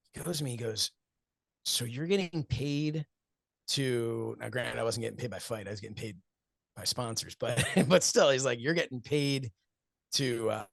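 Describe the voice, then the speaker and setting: A man's voice: mid-range voice, vocal fry, fairly bright tone, no echo. A man in his forties giving earnest, reflective interview answers, telling stories and acting out what friends said, with frequent laughs. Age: 40s. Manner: earnest, storytelling, acts out quoted friends, laughs often. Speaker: wrestling commentator and show host, interview guest.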